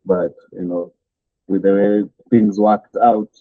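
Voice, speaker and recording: A middle-aged pastor with a Kenyan accent, telling his story as a guest in a halting way full of "uh" fillers. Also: lowish voice, fairly even intonation, dry recording. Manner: halting, many "uh" fillers, chuckles between thoughts. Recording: tinny phone-like call audio, dry.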